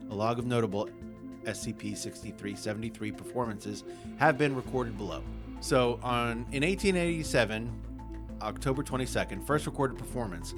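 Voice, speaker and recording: A man reads a document aloud on his podcast in a relaxed, chatty way, often stumbling over words and laughing. His voice sits at an ordinary middle pitch. Soft music plays faintly underneath. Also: normal speed. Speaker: podcast host.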